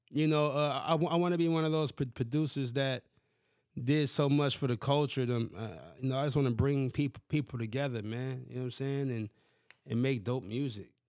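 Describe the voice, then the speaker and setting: A man with an American accent and an unremarkable speaking voice talks at a fairly quick pace and a medium pitch. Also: ordinary pitch variation. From US Midwest, Milwaukee north side. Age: 30s. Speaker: hip-hop producer and beat maker. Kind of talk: casual interview chat.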